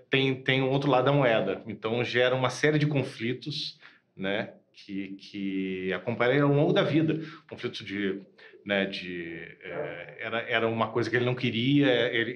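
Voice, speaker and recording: Low-voiced, thoughtful halting man. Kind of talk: casual interview answers.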